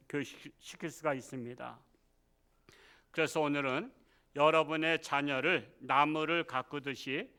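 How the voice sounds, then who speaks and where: A man's voice: on the high side, a bit bright, clean tone. A male pastor from South Korea preaching a sermon, telling a story with animation and acting out the voices of the people in it.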